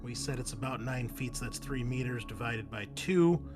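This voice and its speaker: Guy gm-ing a tabletop game, normal pitch, talks it through off the cuff, music playing behind. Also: normal speed. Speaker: game master. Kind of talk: narrating a tabletop roleplaying game, improvised.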